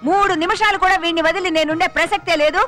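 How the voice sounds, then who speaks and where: A woman's voice: very high-pitched, steady tone, very fast, bright, forceful tone, faint music behind. An actress playing a middle-aged, domineering mother who gives curt orders, in a film. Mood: stern. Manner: stern, commanding. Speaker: stern mother of the hero. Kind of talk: film acting.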